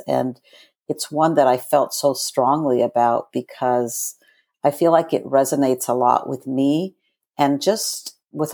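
A woman's voice: extremely low pitch, a little mellow. A middle-aged woman who grew up in Los Angeles, speaking earnestly and thoughtfully as a guest in an interview. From born in Ecuador, grew up in Los Angeles. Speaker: podcast guest, nonprofit chief executive. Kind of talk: reflective interview conversation.

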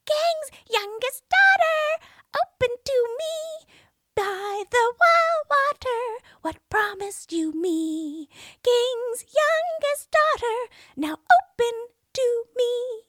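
A woman reading a storybook, voicing a small male enchanted frog who calls in a high, slow, drawn-out way. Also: lively intonation, fairly bright tone, no room sound, clean studio sound, heavily acted. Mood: pleading.

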